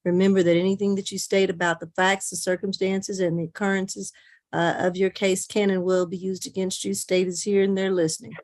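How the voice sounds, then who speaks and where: A woman judge giving formal, measured procedural explanations to open a court hearing. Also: medium pitch, level tone, a little mellow. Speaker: judge presiding over a court calendar. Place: remote court hearing on video call.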